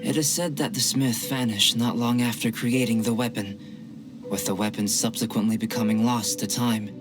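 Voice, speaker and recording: An actor playing a calm, scholarly young male alchemist in a video game, speaking in a measured, formal way. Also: medium pitch, close to an everyday voice, poor audio. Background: game music.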